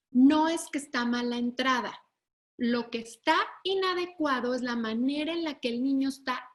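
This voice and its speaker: A woman delivers a webinar lecture in a high, bright-pitched voice. She explains patiently and keeps checking in with her listeners. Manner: explanatory, asks the audience "¿sí?" to check understanding; acts out children and parents in raised voices.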